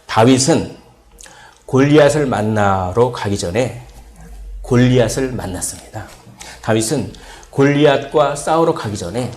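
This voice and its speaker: A man from South Korea preaching a sermon as pastor, telling the story in a lively way and acting out the characters' dialogue. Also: medium pitch. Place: church sanctuary.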